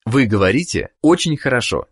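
Man, course narrator, lively pitch, clear prompting instructions. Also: fairly quick.

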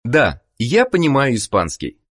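A man narrating a language course, giving measured prompts for the listener to repeat. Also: medium pitch, huge pitch swings, husky. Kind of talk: scripted instruction.

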